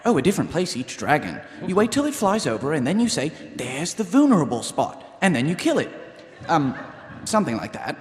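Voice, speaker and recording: A guileless young guardsman in a radio play, earnest and cheerful. His voice swings widely in pitch and rings in a reverberant hall. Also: huge pitch swings, brisk. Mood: earnest, helpful. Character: earnest, naive young male watch recruit. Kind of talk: live radio play acting. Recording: echoey live stage hall.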